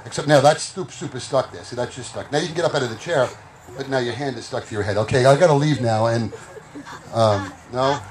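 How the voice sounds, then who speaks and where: A man's voice: medium pitch, a little fast. A man working as a stage hypnotist at a live comedy show, playfully teasing volunteers and repeating his words, recorded in a party tent. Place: inside a party tent, outdoors event. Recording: noisy party tent on camera microphone.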